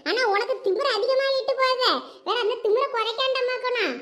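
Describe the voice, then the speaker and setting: A woman's voice: fairly quick, a bit bright. A woman playing a furious, strict village mother who scolds. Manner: scolding, shrill threats.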